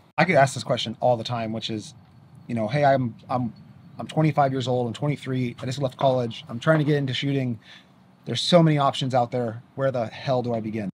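Over light background noise, a man speaks somewhat breathily at a fairly quick pace, his intonation fairly even. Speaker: firearms instructor guest. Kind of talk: interview answer. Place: open country.

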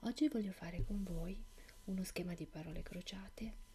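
Soft-spoken and with a relaxed tone, a woman talks at a fairly slow pace. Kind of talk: soft-spoken ASMR crossword solving, casual talk to camera. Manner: soft-spoken, relaxed.

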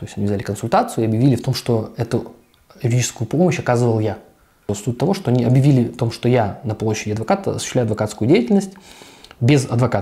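With long, frequent pauses, a man speaks at a very fast pace and medium pitch against a quiet background. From Belarus. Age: 30s. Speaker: former judge, exile. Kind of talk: interview. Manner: halting, hesitant. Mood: calm, reflective recounting. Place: kitchen. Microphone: lapel.

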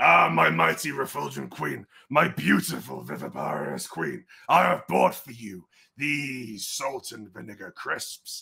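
Using a put-on character voice, a man speaks raspy and fairly low-pitched, with very wide pitch swings. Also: fairly slow pace. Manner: grandiose, flattering.

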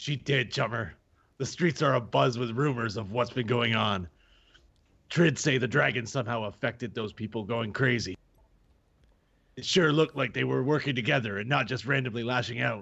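A man puts on a character voice at a medium pitch. He speaks at a moderate pace with long, frequent pauses. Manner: gruff streetwise.

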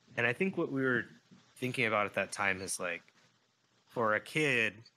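This is a man talking. The tone comes across bright and sharp. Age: 30s. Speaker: animation writer and cartoon voice actor; cartoon voice actor. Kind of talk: casual interview chat. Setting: podcast recording. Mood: relaxed, amused. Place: home room. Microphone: earbuds.

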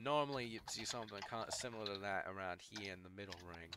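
At a very fast pace, a man puts on a rumbling character voice at a fairly low pitch over clear background noise. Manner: grumbling, irritated.

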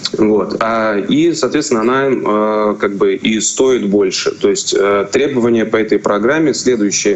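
A man at a fairly slow pace, with ordinary pitch variation, hardly any pauses and very even loudness. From Odesa, Ukraine; raised in Kazakhstan and Russia. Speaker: immigration lawyer. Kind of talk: interview. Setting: video call. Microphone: video call.

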